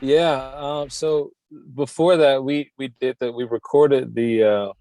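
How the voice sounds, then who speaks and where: A man's voice: mid-range voice, steady tone, takes it slowly, mellow, no room sound. A man, a worship musician, talking earnestly in an interview with many restarts. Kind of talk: casual interview.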